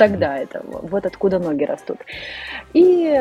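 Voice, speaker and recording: A woman talks at a moderate pace. The sound is dry and close with no echo, with music in the background. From Russia, Orsk (Orenburg region). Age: young. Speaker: novelist. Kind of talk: casual chat.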